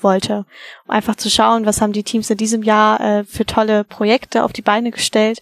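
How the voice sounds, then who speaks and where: A woman's fairly high voice at a moderate pace, dry and close with no echo, on a very clean recording with a silent background. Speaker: competition organizer. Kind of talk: casual interview.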